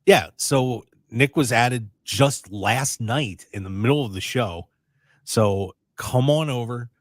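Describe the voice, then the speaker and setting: A man hosting a radio show in casual, rambling chat, his voice a little raspy and strained. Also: medium pitch, takes it slowly, no room sound, studio quality. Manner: chatty, excitable, rambling. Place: radio studio.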